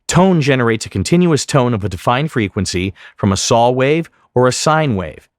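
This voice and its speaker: A man giving scripted software tutorial narration as an instructor, speaking in a precise, explanatory way. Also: medium pitch, expressive, moderate pace, no echo, clean studio sound.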